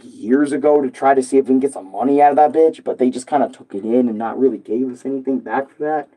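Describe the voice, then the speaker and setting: Hoarse and rambling, this young man streams games and vents casually to his audience, full of fillers and swearing. His medium-pitched voice has a darkish tone, captured in a low-quality recording.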